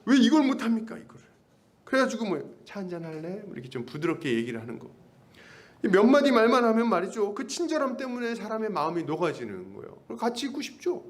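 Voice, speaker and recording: A male pastor delivers a sermon in a chatty tone, often asking the congregation rhetorical questions. His pitch sits a little high for a man and moves up and down a lot, and he slips into acted-out snippets of everyday talk. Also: very animated, fast. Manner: conversational, acts out little dialogues.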